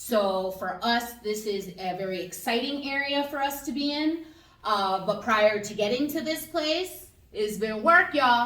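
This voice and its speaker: A high-pitched woman talks at a fairly slow pace with lively intonation. Audible room echo surrounds her voice. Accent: strong American. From US, Florida. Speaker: entrepreneur. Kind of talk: casual chat.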